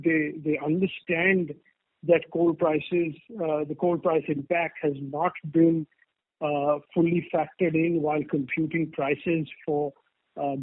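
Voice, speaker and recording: A man with an Indian accent answering earnings call questions as a company executive, measured, hesitant and careful, over a telephone line. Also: a little high, dry recording. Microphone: telephone conference line. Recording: tinny narrow phone line.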